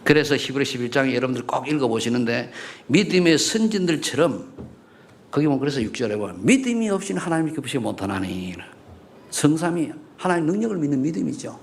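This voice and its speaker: Gravelly, animated Korean pastor preaching. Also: male voice, fast talker, slight background noise. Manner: swings from loud rising questions to low murmured asides; asks the congregation questions and banters with them. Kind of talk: sermon. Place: church sanctuary.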